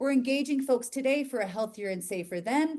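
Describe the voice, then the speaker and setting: The pace is very fast, with an animated tone and very wide pitch swings. The background is quiet. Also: woman. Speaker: harm reduction agency director. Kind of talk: conference presentation.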